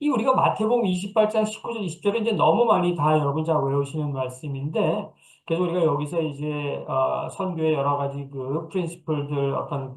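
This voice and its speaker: Lively intonation and a moderate pace come through with audible room echo. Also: man. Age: 60s. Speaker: missionary. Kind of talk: lecture.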